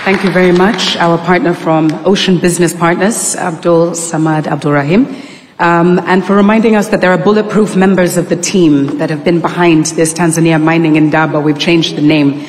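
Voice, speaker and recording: An emcee making polite, formal introductions of speakers at a conference. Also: medium pitch. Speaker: master of ceremonies. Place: large conference hall. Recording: long reverb of a conference hall.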